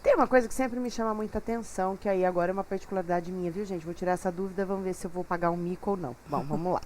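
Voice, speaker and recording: A woman with a Brazilian Portuguese accent hosting a TV studio interview, lively, chatty and playful. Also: fairly low pitch, racing, slight background noise. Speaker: TV talk show host.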